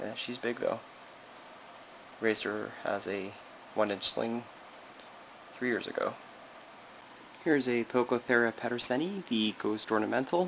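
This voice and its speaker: A man at medium pitch with ordinary pitch variation, long and frequent pauses, and noticeable background noise. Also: moderate pace. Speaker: tarantula keeper and video creator. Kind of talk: casual video narration. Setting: at home, late at night. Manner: soft-spoken.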